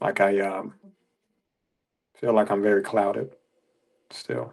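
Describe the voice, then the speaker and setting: Speaking fairly slowly with an American accent, a man uses a fairly low pitch and ordinary pitch variation. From Chicago suburbs, Illinois. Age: 40s. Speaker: client. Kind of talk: one-on-one healing session. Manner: halting.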